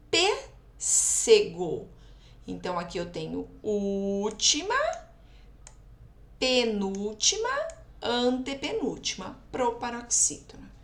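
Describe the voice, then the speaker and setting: A woman teacher with a lively, higher voice records a remote lesson explaining exercises. She is patient and explanatory, checking in often with "tá?", and the room is echoey.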